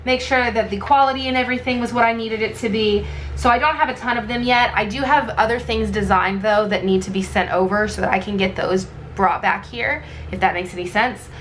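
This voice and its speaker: A woman with a hoarse, sick-sounding voice that is giving out, chatting casually and thinking aloud as she records a vlog at her desk. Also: mid-range voice, fairly quick, low-quality recording. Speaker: planner vlogger and sticker shop owner. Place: indoors at a desk. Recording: clear background noise.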